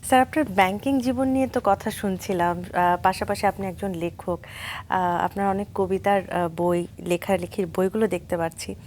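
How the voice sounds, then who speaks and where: A woman's voice: medium pitch, steady tone, moderate pace, darkish tone, a little hiss or hum. A woman hosting a morning talk show, interviewing a guest politely and deferentially with many short acknowledgements. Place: TV studio.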